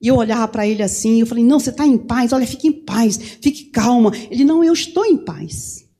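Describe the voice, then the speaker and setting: A woman's voice: fairly high pitch, fast talker, warm tone. A middle-aged woman preacher giving an impassioned sermon testimony, her voice rising when she pleads.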